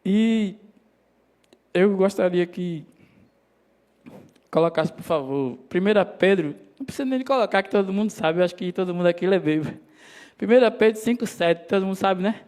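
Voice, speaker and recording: A man preaching a sermon in a church, calling the listeners his brothers and voicing God's words in a lower tone. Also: moderate pace, long pauses, darkish tone. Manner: addresses congregation as brothers, quotes God in a lowered voice.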